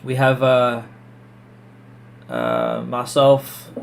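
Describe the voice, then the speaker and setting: A man's voice: mid-range voice, big pitch swings, very slow, creaky, echoey room, far from the mic, a little hiss or hum. A man from Wales hosting a casual team video call, chatty and upbeat, guiding people around. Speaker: host.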